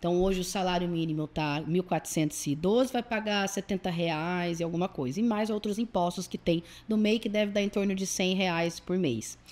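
A woman with a medium pitch and ordinary pitch variation talks at a moderate pace with hardly any pauses. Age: 40s. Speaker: social security lawyer. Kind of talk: interview. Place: studio. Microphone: studio mic.

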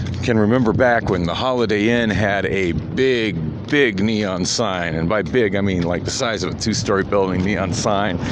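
A man with a fairly low voice speaks at a moderate pace with ordinary pitch variation, the sound dry with no echo but with noticeable background noise. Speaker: vlogger. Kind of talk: casual vlog chat. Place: street. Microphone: phone near.

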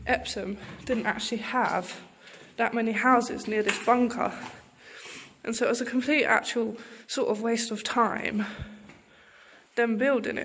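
Long pauses come often throughout the speech. Light background noise sits behind it. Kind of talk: casual vlog commentary. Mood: calm, explanatory. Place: tunnel cave. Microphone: phone near.

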